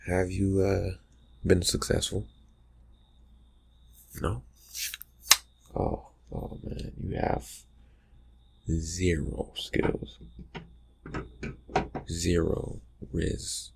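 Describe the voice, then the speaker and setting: A man playing a brooding, distracted vampire friend in an ASMR roleplay, murmuring in halting, husky phrases that trail off. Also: level tone, darkish tone, heavily acted. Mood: casual, teasing. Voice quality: breathy, husky, gravelly low murmur. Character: brooding, distracted young male vampire friend, slyly teasing. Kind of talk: ASMR roleplay, improvised soft talk to the listener.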